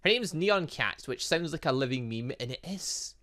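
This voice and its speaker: A man's voice: on the high side, expressive, moderate pace, pushed and bright. A man voicing an awkward, earnest, bewildered young male student in a visual novel game, hesitant and flustered. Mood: explaining. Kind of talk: visual novel game dialogue read aloud.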